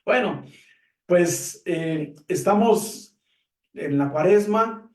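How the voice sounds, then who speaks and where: A man giving a calm, measured religious lesson, explaining with simple examples. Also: high voice. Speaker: Catholic teacher on a program. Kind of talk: reflective religious teaching. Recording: echoey room, mic at a distance.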